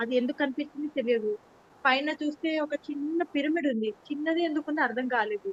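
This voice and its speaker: In a Telugu accent, a woman speaks at a high pitch and a fairly slow pace, with ordinary pitch variation and a dry, close sound with no echo. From India. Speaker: meditation session participant. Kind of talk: audience question. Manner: halting.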